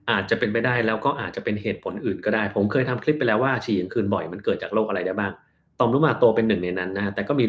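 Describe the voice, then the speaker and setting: Doc guy on a live stream, lowish voice, chill, reads questions and answers them. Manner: relaxed, plain-spoken, slows down to explain terms. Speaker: doctor answering viewer questions.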